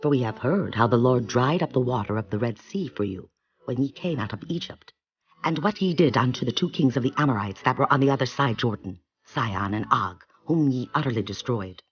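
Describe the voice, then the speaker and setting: A man's voice: medium pitch, lively intonation, a little fast, natural voice. Man voicing Rahab, an earnest, muffled Jericho woman. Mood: pleading. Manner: pleading, earnest. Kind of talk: dramatized scripture audiobook. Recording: dull, muffled audio.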